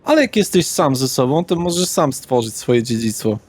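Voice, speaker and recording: A man's voice: mid-range voice, lively intonation, moderate pace. A man running a tabletop roleplaying game, speaking in character in a blunt, slangy way with frequent swearing. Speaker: game master.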